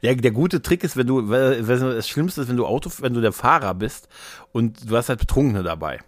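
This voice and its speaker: A man's voice: medium pitch, fairly quick, dry recording. Middle-aged man telling anecdotes, dry sound. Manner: animated storyteller, acts out quotes. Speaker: podcast host. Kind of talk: casual anecdotal chat.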